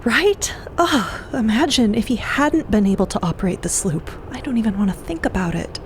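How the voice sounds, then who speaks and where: A woman's voice: on the high side, lively intonation, moderate pace, natural voice. Woman acting chatty, earnest adventurer over noisy ambience. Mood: earnest, candid. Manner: informal, hesitant, earnest. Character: chatty, soft-hearted, candid woman adventurer, Cleo. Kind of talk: narrative audio drama.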